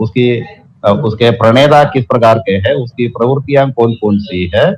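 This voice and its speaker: Somewhat breathy, a man with a Malayalam accent speaks at a medium pitch with ordinary pitch variation. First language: Malayalam (speaking Hindi). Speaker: literary translator. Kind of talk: interview. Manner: formal.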